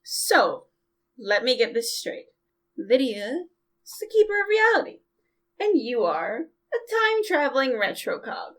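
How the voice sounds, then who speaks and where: An actress plays a skeptical, questioning young woman in an audio drama. Her voice is slightly high and very animated. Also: a little slow.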